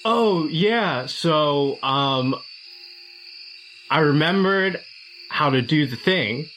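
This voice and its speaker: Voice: medium pitch, lively intonation, drawn-out words, a bit bright, a little hiss or hum, rough recording. A tabletop game player chatting casually and describing a character's moves.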